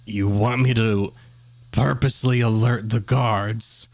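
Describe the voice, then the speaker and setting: A man acting as game master, improvising and chatting casually in a halting, conversational way. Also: fairly low pitch, steady tone, darkish tone, no room sound.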